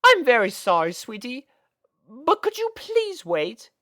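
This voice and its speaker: A woman's voice: a little high, huge pitch swings, unhurried, fairly bright tone, heavily acted. A woman voicing a refined, affectionate elder sister pony in a fan fiction audio drama, genteel and coaxing. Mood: busy, indulgent.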